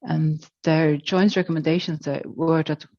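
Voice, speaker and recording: A woman, a career counselor presenting in a webinar, speaking hesitantly with many pauses and restarts. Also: deep voice, fairly even intonation, dark tone, no room sound, dull audio. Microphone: video call.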